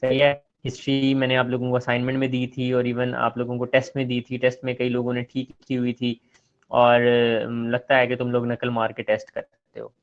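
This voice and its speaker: A man's voice: mid-range voice, monotone, a little fast, muffled recording. A man giving an online class lecture, chiding and teasing his students.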